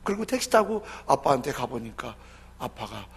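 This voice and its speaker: A male pastor preaching a sermon, telling a story with emotive swings between loud and hushed. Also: mid-range voice, very animated, moderate pace, husky. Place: church sanctuary. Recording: long church hall reverb.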